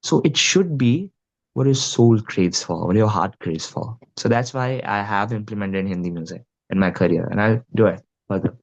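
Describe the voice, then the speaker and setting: Speaking at a moderate pace in a voice on the low side, a young adult man with an Indian Punjabi accent gives a casual interview as a guest musician. He's earnest and leans on "you know" and "like," with the audio sounding dull.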